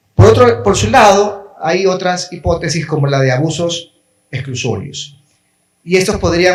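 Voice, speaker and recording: In a coastal Ecuadorian accent, a man with a fairly high voice speaks at a fairly slow pace with lively intonation. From Ecuador coast, Guayaquil. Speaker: lawyer and government data protection official. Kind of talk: conference talk. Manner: hesitant repetitions, filler sounds.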